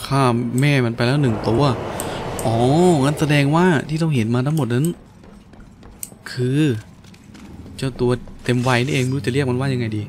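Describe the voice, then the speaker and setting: A man's voice: medium pitch, moderate pace, long pauses, noisy background. A man giving casual gameplay commentary, full of coarse slangy exclamations and talk aimed at enemies. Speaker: gaming YouTuber. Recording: game music behind the voice. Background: video game music and sounds.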